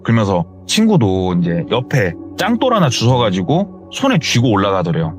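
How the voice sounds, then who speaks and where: A man spins a spooky tale in a lively, sweeping voice, leaning into each dramatic beat. Faint music drifts beneath his casual retelling. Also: lowish voice, moderate pace. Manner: vivid, dramatic retelling with hearsay endings. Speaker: storyteller. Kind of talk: horror storytelling, casual spoken retelling.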